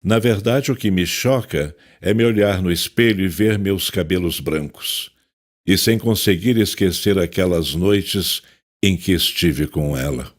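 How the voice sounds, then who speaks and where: A haunted, ageing male psychiatrist played by an actor tells his story in a radio play. His voice is low, and he speaks introspectively, with wistful reflection. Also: a little slow. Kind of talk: radio drama first-person narration.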